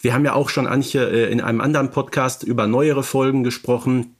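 A man with an average-pitched voice co-hosts a casual discussion. He speaks appreciatively, with hesitant, searching phrasing. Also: steady tone, fairly quick. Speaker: podcast co-host.

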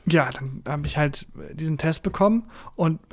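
A man's voice: fairly high pitch, moderate pace. A man who is a native German speaker, telling anecdotes casually as a podcast host and acting out quoted speech.

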